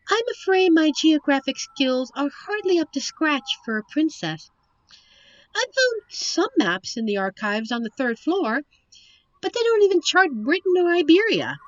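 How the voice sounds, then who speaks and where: A woman playing a captive young princess in a roleplay audio drama, witty and wistful, with genteel, formal storybook phrasing and thoughtful pauses. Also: high voice, no echo, highs cut off, heavily acted. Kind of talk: roleplay audio drama, one side of a dialogue.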